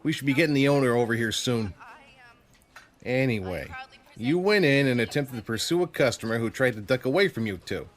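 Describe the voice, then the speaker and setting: Man acting as a curt cop boss, mid pitched, all business, audio drama. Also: expressive, fairly quick, natural voice. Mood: businesslike. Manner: curt, authoritative. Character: brusque, businesslike male police sergeant, the boss.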